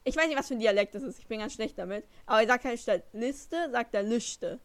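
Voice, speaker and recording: A woman's voice: on the high side, quick pace. A teenage girl co-hosting a podcast, chatting casually and hesitantly, often correcting herself. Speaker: podcast co-host. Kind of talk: casual chat.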